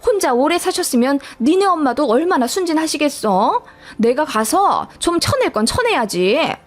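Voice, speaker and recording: A woman's voice: sits high, sing-song, normal speed, faint music behind, voice pushed up. A woman voicing a nosy, greedy older mother-in-law who insinuates and justifies herself. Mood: self-justifying. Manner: prying, self-justifying, insinuating.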